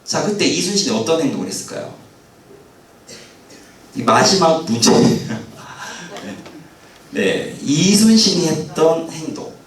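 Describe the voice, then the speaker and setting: A man giving a lively history lecture, who asks the audience questions and acts out the lines of the people in his story. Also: on the high side, unhurried, pauses often. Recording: roomy hall sound, mic at a distance.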